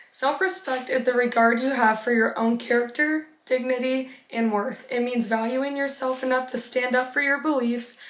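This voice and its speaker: A young woman speaks heartfelt advice straight to her viewers, her voice worn and fading from overuse. She talks in a higher register and leans on repetition for emphasis. The sound carries the ring of an echoey room. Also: far from the mic. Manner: earnest, heartfelt, repeats for emphasis. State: losing her voice. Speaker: vlogger. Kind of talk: casual motivational talk to camera.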